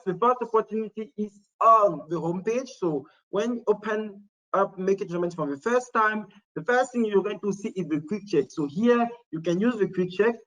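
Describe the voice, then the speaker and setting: A man with a fairly high voice presents a webinar, clicking through a website as he explains it. He speaks English as a second language and often restarts his sentences and fills gaps with "uh". He sounds like he is talking at a computer indoors. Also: fairly bright tone, rough recording. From Morocco. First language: not English. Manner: halting, many restarts and fillers. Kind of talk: screen-share demo talk.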